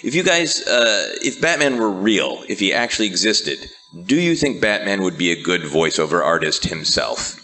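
Upbeat male podcast host, bright tone. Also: sits low, very animated, normal speed, few pauses. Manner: upbeat, prompting questions. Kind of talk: casual podcast interview.

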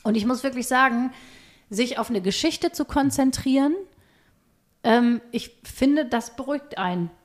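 A woman's voice: on the high side, unhurried. A woman podcast host talking in a casual, conversational chat.

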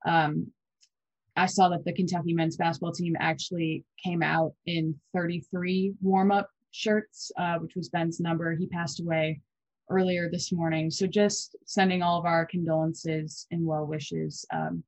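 A woman in her twenties co-hosting a college basketball podcast, chatty and quick with fillers and restarts. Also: fairly low pitch, level tone, darkish tone, dry recording, poor audio. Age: 20s. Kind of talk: casual sports podcast chat.

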